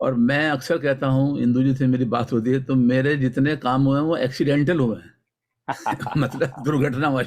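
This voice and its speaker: A medium-pitched male voice at a moderate pace, with fairly even intonation. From Meerut, western Uttar Pradesh, India. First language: Punjabi (speaking Hindi). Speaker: actor and writer. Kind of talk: panel discussion.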